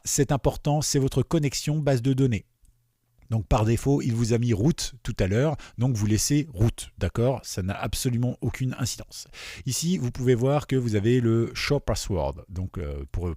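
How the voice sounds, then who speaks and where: A man walking viewers through a software installation in a casual, chatty way, often checking in with "d'accord?". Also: lowish voice, dry recording, clean studio sound. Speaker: webradio software tutor. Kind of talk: screen-recorded software tutorial.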